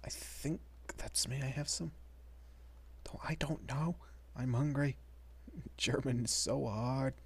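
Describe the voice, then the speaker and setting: This man plays a bashful, anxious young vampire father for a romantic audio roleplay, speaking softly with stammers and near-whispers. His voice is medium in pitch, slow and creaky, with a little background noise in the recording.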